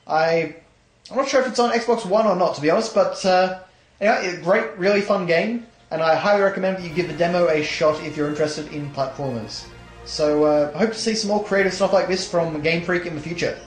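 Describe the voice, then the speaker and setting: A young man with a slightly high, tired and hoarse voice talks through his gameplay in a loose, rambling way, full of ums and restarts. His voice bounces around an echoey room, and loud game music plays underneath. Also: brisk. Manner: rambling, many fillers and restarts. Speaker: let's play host. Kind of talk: casual gameplay commentary.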